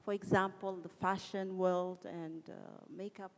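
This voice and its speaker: Soft-voiced woman panelist. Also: medium pitch, flat delivery, a little slow. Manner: hesitant, many fillers. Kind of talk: panel discussion. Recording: echoey conference hall.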